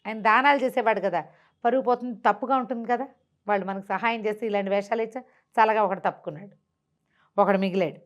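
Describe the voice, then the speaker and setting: A woman's voice: medium pitch, quick pace, dull audio. A woman tells a classical tale off the cuff as a storyteller, explaining conversationally and repeating phrases as she goes.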